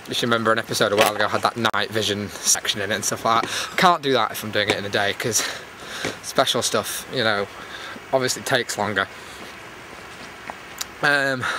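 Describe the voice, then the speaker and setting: Chatty man vlogging over outdoor background noise. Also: mid-range voice. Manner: chatty, self-deprecating, jokey asides. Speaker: YouTube host. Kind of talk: casual rambling vlog chat to viewers. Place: outdoors, walking in a public area. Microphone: handheld camera. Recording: clear outdoor background noise while walking.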